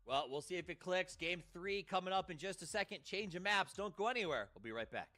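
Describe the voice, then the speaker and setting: A man's voice: sits high, expressive, a little fast, bright, forceful tone. A man casting a live esports tournament, upbeat and passing questions to his co-casters.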